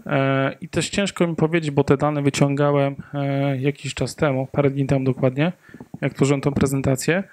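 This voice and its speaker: A man's voice: medium pitch, level tone, moderate pace, darkish tone, slight background noise. Hesitant man giving a tech talk. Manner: hesitant, many fillers, joking asides. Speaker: conference speaker. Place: conference room with audience. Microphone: handheld microphone.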